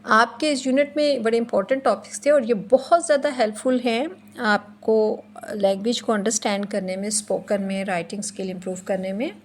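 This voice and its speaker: A woman teacher giving a slow, deliberate classroom lecture, explaining in English and then again in Hindi-Urdu. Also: a little high, slight background noise. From Pakistan.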